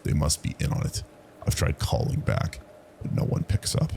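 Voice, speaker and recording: A man narrating a scripted first-person horror story in a low, haunting, gravelly voice. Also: moderate pace, darkish tone, slight background noise. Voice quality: very deep, gravelly.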